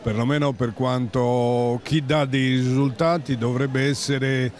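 A man's voice: medium pitch, steady tone, slow pace. A man in his sixties answering a street interview hesitantly, drawing out his words. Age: 60s. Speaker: interviewed passer-by. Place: outdoors on a city street. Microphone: handheld interview microphone.

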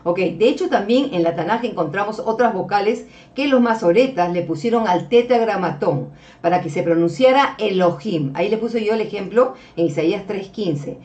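A woman's voice: medium pitch, expressive, moderate pace, darkish tone. A woman giving a religious lecture over slides, explaining patiently, often checking in with her listeners and addressing them as beloved brethren. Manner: explanatory, frequent checks with "ok?" and "este" fillers. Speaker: religious teacher. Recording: distant, dull-sounding mic.

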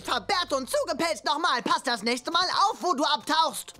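Grumbling, sarcastic cartoon bear. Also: female voice, high-pitched, lively intonation, moderate pace, over loud music. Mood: cross.

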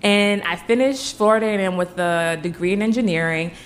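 A woman's voice: medium pitch, a little fast. A woman in her forties from Virginia, a guest telling her story in a casual interview with candid, self-deprecating humor. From Hampton, Virginia. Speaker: guest, homesteader.

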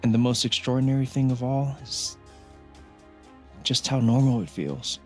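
An actor playing a calm, encouraging older brother in a video game drama, speaking gently and reassuringly. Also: male voice, medium pitch, soft background music, natural voice. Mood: tender, reflective. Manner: slow, tender, reassuring.

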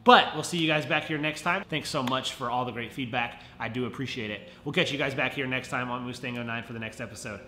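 A man's voice: mid-range voice, fast talker, hardly any pauses, sharp tone, a little hiss or hum. A man in his thirties with a nasal, congested voice from a head cold, chatting casually to viewers in a friendly car how-to vlog. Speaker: car vlogger. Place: home garage, indoors. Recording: roomy garage echo.

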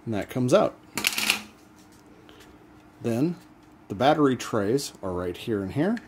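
Man calmly walking through a repair. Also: mid-range voice, noisy background. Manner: relaxed step-by-step explaining while working hands-on. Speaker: DIY channel host. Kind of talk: casual how-to demonstration.

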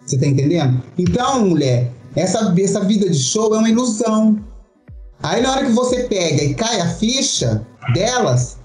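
There's faint music behind this middle-aged show performer, who speaks with a Brazilian Portuguese accent, a medium pitch and a moderate pace in a roomy space. Telling her story as an interview guest, she's theatrical and animated, performing quotes and checking again and again with "you understand?"

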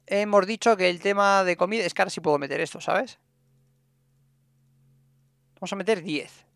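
Male streamer, chatty let's play voice with a creaky edge. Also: high-pitched, normal speed, fairly bright tone, no room sound. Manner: chatty, talks to his game characters. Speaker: gameplay streamer. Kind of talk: casual let's play commentary.

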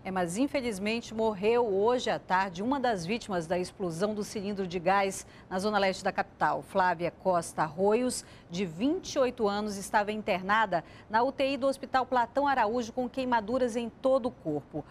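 A woman anchoring a TV newscast, reading the news in a measured, formal way. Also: medium pitch, slight background noise.

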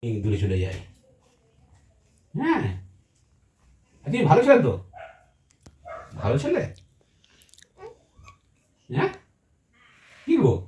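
A woman coaxing a baby in slow, sing-song baby talk, recorded outdoors from a distance. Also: deep voice, huge pitch swings, warm tone, echoey room. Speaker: family member cooing at a baby.

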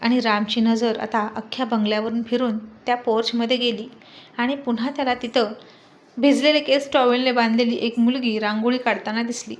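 A woman's voice: fairly high pitch, level tone, moderate pace. Woman narrating a serialized story.

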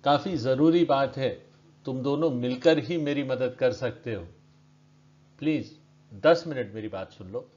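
A man voicing a calm, persistent stranger in white clothes who keeps pleading with two men to hear him out. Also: medium pitch, measured pace, natural voice. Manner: pleading, insistent. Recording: dull lo-fi recording.

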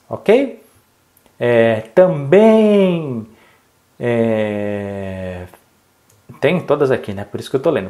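Lively Brazilian teacher, man. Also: a little high. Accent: Brazilian Portuguese. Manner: lively, peppers speech with "tá bom?" and "né?" checks; explains step by step, asking and answering his own questions. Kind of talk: online exam-prep lesson.

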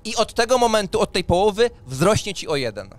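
This is a man in his thirties running a tabletop role-playing game, covering the rules and narrating the scene. His voice sits high, swings widely in pitch, and moves a little fast. A boom-mounted studio microphone captures him, and the background noise is clear.

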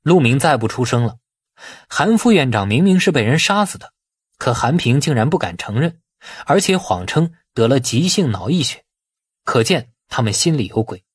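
A man reading a novel as dramatic scripted narration, in a husky voice. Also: medium pitch, big pitch swings, moderate pace, no echo, clean studio sound. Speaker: audiobook narrator.

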